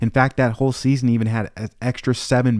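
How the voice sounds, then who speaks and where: In an American accent, a man talks fairly quickly at a medium pitch, his dark, mellow tone showing ordinary pitch variation, with a dry, close sound with no echo. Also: very clean recording, silent background. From US Pacific Northwest (Tacoma, Washington). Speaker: pastor and podcast host. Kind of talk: podcast introduction and reflection. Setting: office recording.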